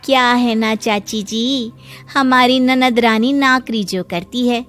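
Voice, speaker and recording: A woman voicing a sarcastic, needling young sister-in-law in an animated story. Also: a little high, slow, faint music behind. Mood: mocking.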